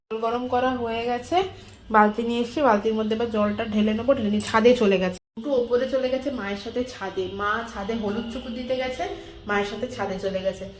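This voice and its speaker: A young woman narrating a casual home vlog as a mother, chatty and talking brightly to her toddler between remarks to viewers. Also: a little high, fairly even intonation, fast talker, a little hiss or hum. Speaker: mother vlogger.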